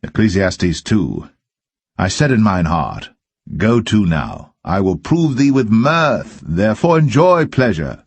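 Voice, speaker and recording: A man reading scripture as a Bible narrator, in a solemn, measured, formal manner. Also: lowish voice, big pitch swings, slightly rough, no echo.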